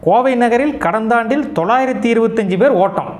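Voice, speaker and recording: Guy doing a satire news show, reads headlines then mocks em, sarcastic, really high voice. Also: a little fast. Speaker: comedy news host. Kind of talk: satirical news reading with quips.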